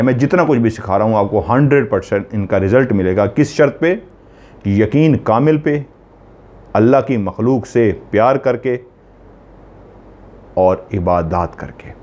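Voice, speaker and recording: A man's voice: mid-range voice, darkish tone, dull audio. Earnest man teaching home spiritual remedies. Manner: earnest, repetitive, step-by-step instructions. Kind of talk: instructional talk on spiritual remedies.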